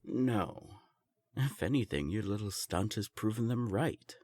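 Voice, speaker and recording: A man playing an ancient, powerful vampire in an audio drama, gravelly, taunting and self-assured. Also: lowish voice, lively intonation, a little slow, a little mellow, no echo, studio quality. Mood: stern, taunting. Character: smug, ancient, powerful male vampire enforcer. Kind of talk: scripted audio drama acting.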